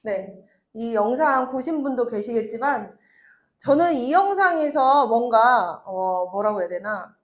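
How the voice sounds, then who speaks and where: A woman's voice: on the high side, lively intonation, unhurried. A woman in her thirties giving a chatty motivational talk to an audience, telling personal stories with laughs and acted-out quotes. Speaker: network marketing speaker.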